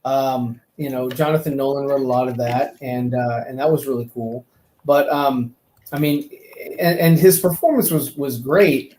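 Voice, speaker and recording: Halting man in an echoey room. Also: medium pitch, fairly even intonation, a little mellow. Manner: halting, rambling, repeats words. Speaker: panelist on a fan talk show. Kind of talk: casual opinionated film chat.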